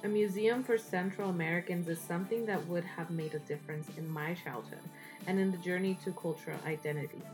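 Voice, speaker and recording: Earnest low-voiced woman. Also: steady tone, fairly quick, over music, rough recording. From Salvadoran heritage. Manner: earnest, heartfelt. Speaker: host, writer and singer. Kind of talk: speaking to camera about a project.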